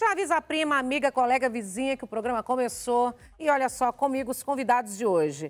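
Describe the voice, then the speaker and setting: A woman talks at a very fast pace. Her pitch is high and her intonation lively. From Brazil, Minas Gerais. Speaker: TV talk show host. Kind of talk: live TV talk show. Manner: animated. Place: studio. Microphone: lapel.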